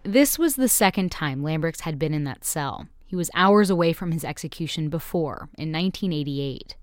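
A woman reporter giving measured, scripted narration for a radio feature. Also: low voice, lively intonation, no echo.

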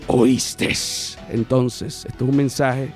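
A man hosting a podcast with an animated comedic monologue, swinging between loud outbursts and low mumbles. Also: moderate pace, faint music behind. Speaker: podcast host.

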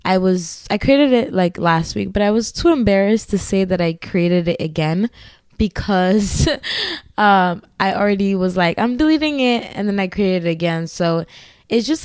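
A woman's voice: mid-range voice, darkish tone, smooth, no echo, studio quality. A woman with a Ghanaian accent hosting her own podcast solo, chatting in a rambling, giggly way with asides. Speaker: podcast host. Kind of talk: casual solo podcast chat.

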